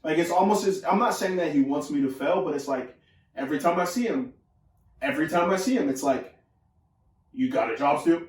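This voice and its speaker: A man's voice: fairly high pitch, lively intonation, a little fast. A man co-hosting a podcast in casual chat, telling family stories and quoting relatives in dialogue. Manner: conversational, quotes family members in dialogue. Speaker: podcast co-host. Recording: echoey room, mic at a distance.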